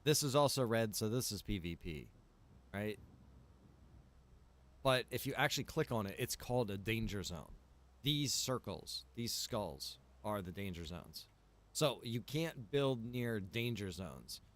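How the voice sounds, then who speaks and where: A man's voice: lowish voice, animated, measured pace, fairly bright tone. A laid-back man chatting to viewers in rambling, slangy game livestream commentary. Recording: clearly noisy, background ambience.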